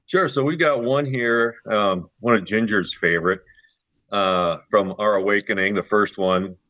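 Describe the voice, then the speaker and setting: A low-voiced man chats as an interview guest, easygoing and halting, with plenty of ums along the way. His audio sounds dull and lo-fi. It is close and dry, with no room in it. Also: no room sound. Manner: relaxed, halting with fillers. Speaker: guest, co-author. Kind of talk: casual interview talk.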